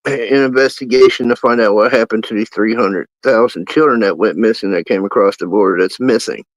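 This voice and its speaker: Lower-voiced man, blunt and opinionated. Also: brisk, no echo. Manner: blunt, opinionated, plain-spoken. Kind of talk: casual reaction chat. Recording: dull lo-fi dry sound.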